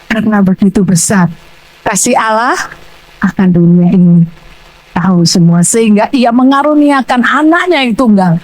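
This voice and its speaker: An older woman with a Surabaya Indonesian accent preaching a sermon in church, telling stories loudly and emphatically. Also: mid-range voice, rough recording. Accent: Surabaya Javanese Indonesian. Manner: animated storytelling, loud and emphatic, acting out dialogue.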